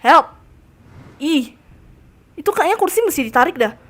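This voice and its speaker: A high-pitched young woman commentates a live game stream. She talks casually to her chat, squeals and shrieks when startled, and taunts the enemies in a mock-tough voice. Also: expressive, moderate pace, fairly bright tone.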